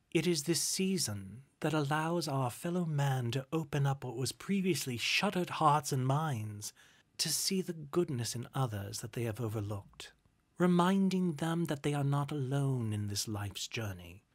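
A man's voice: mid-range voice, expressive, measured pace. A man voicing a cheerful, good-hearted young nephew in a storybook, polite, earnest and a little mischievous. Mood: earnest, pleading.

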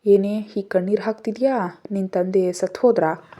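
A woman voicing a harsh, commanding young husband in a storybook narration, speaking curtly and loudly. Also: medium pitch, fairly even intonation, normal speed, close to an everyday voice. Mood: stern. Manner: curt, scolding, loud. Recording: dull lo-fi audio.

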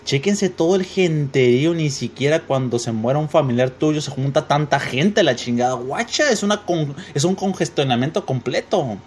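A man's voice: on the high side, expressive, normal speed, few pauses, a little hiss or hum. A young man with a Mexican accent, casually reading and mocking social media comments aloud, swearing freely and joking. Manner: profane, joking, reads comments aloud with laughs. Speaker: gaming youtuber reading comments.

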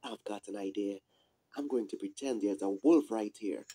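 A puppeteer voicing a mischievous, excitable young shepherd boy with exaggerated delivery in an amateur puppet show. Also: low voice, normal speed. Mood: bored, scheming. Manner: exaggerated, yelping when alarmed. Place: small indoor room, behind puppet curtain.

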